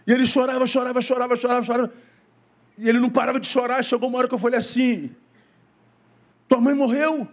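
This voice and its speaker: A middle-aged male pastor preaching a sermon to a congregation in church, with wide swings of pitch and pace, asking the congregation questions. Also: fairly even intonation, quick pace, long pauses.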